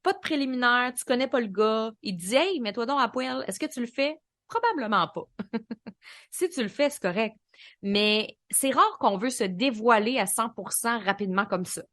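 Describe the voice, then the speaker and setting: Lively Québécois woman coaching. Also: fairly high pitch, normal speed, no room sound, studio quality. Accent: Québécois French. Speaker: podcast host and business coach. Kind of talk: solo podcast monologue.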